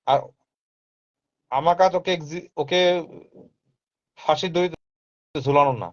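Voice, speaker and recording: A man's voice: fairly high pitch, measured pace. A man talking casually and insistently, repeating his points and dropping in English phrases. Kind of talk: casual live talk. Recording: dull lo-fi sound.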